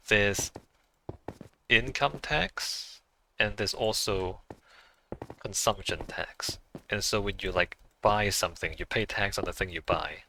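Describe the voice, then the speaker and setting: A man with a lowish but bright, forceful voice talks casually to his livestream viewers. English is not his first language, and he thinks aloud in an easy, musing way, breaking into small laughs. A faint hiss sits under his voice. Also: low-quality recording. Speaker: livestreamer playing a game.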